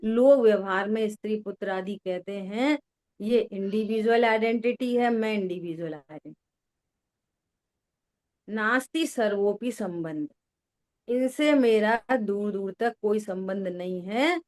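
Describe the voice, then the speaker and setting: A woman's voice: mid-range voice, a little slow, darkish tone. A woman giving a religious discourse to listeners, often asking whether they follow and repeating key words. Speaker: spiritual teacher. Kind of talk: slow religious discourse with listener check-ins.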